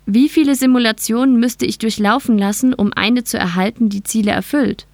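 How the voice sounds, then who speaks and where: A woman's voice: on the high side, steady tone, a little fast, a little mellow, dry recording, close to an everyday voice. Brief: earnest, determined young woman, as read by a woman narrator, probing questions, dry close sound. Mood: questioning.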